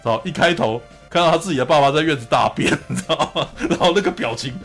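Hosting a casual anime chat, a man speaks in a slightly raised voice that's on the high side and fast. He retells scenes energetically, laughs often and keeps asking his listener "you know?", with soft music faintly underneath.

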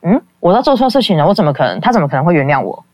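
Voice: medium pitch, very animated, very fast, darkish tone, no echo. A caller, telling a personal story in a casual, rambling way, full of fillers and acting out the people quoted. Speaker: call-in guest.

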